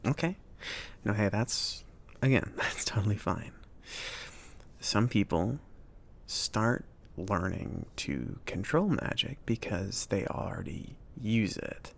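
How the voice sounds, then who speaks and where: A man playing a friendly, awkward mage who runs a magic shop, rambling and reassuring in a soft-spoken ASMR roleplay. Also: lowish voice, very animated, slow, creaky, exaggerated voice. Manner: rambling, hesitant, reassuring, with nervous chuckles.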